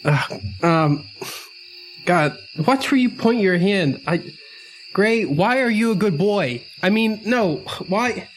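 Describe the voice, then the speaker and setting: Male game player, quite high voice, slow halting flustered banter, faint night-insect ambience. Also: lively intonation, slight background noise, low-quality recording. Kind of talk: improvised in-character banter.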